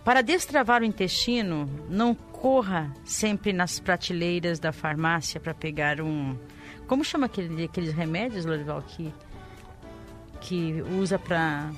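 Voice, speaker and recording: A woman's voice: fairly low pitch, a little slow. A woman with a Brazilian accent co-hosting a radio show, chatting and explaining things in a casual way. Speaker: radio co-host. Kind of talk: casual radio chat with health tips. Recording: music under the voice. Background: background music.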